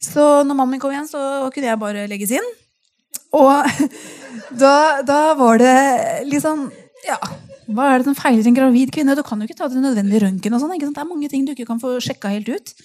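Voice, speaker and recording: Woman, personal testimony, animated, chatty, frequent laughter, higher voice. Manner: animated and chatty, laughs often, many fillers. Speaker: speaker giving a faith testimony.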